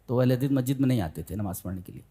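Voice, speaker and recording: A man giving a Quran commentary lecture, chanting Arabic verses slowly and breaking into sudden emphatic high bursts. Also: warm tone, in a large hall.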